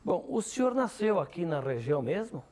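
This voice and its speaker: A male interview host speaks in a conversational way. His voice sits a little higher than most men's as he puts questions to a guest. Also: sing-song, normal speed, a little mellow.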